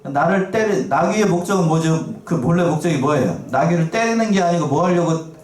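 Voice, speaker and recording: A man's voice: on the high side, lively intonation, a little fast, a little mellow. A man preaching a sermon as pastor, asking the congregation questions and reading scripture aloud. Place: church sanctuary. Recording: echoey church, mic at a distance.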